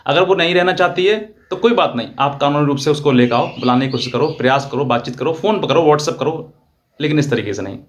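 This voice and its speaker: A man's voice: fairly high pitch, fast talker. A man, giving earnest legal advice straight to viewers and repeating his points. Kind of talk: direct-to-viewer advice talk.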